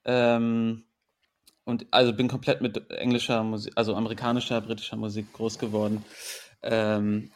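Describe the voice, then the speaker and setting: A man's voice: lowish voice, flat delivery, moderate pace. Guy from berlin chatting about music, laid back, lots of ähm. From Berlin, Germany. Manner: easygoing, hesitant, repeats words. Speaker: musician guest. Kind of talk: casual chat.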